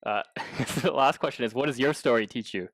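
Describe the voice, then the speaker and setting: A man's voice: medium pitch, moderate pace, a bit bright. A man co-hosting a podcast, putting questions to a guest in a casual, conversational way. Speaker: podcast co-host, interviewer.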